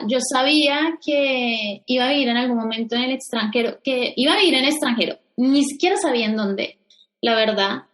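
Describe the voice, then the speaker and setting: A woman from Bogotá in her thirties with a Colombian accent, telling her story as a podcast guest, often pausing and restarting. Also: high voice. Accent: Bogotá Colombian Spanish. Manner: hesitant, restarts often, animated when quoting herself. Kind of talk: casual interview storytelling.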